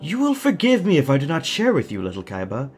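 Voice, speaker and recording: A man's voice: fairly high pitch, huge pitch swings, fast, a little mellow, faint music behind. A man playing a suave psychopathic villain in an audio drama, courteous and mock-polite, with a faint German accent. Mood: silky menace. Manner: courtly, mock-polite, teasing tag questions. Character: suave, theatrical psychopathic villain, serenely pleasant kidnapper.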